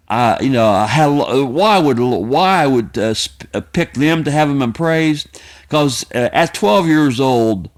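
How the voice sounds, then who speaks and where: Halting, folksy middle-aged man. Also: mid-range voice. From United States. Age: 50s. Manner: repetitive, halting, circling back over phrases; folksy, plainspoken. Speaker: video creator. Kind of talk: casual rambling vlog monologue.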